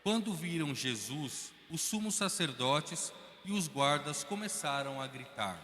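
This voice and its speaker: Brazilian guy narrating the passion, slow and steady, big church reverb. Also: on the high side. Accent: Brazilian Portuguese. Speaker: narrator reader. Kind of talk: liturgical Passion reading. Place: large church.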